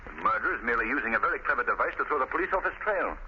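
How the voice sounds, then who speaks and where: An actor playing a shrewd gentleman detective in 1930s radio style, urbane, deliberate and commanding. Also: medium pitch, expressive, lightly acted. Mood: brooding. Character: shrewd gentleman detective who poses as unseen avenger. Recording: noisy, dull 1930s radio recording.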